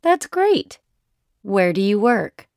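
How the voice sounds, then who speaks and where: Smooth-voiced woman reading slowly. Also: medium pitch, sing-song, darkish tone, no room sound, studio quality. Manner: slow, clearly enunciated. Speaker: dialogue reader. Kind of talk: scripted language-lesson dialogue.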